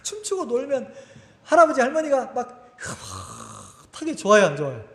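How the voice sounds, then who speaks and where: A man preaches a lively, conversational sermon, his voice sitting high and leaping widely in pitch. He keeps asking the congregation questions. The recording carries a long, roomy church echo. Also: normal speed, vocal fry. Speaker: pastor. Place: church sanctuary. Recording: echoey church hall.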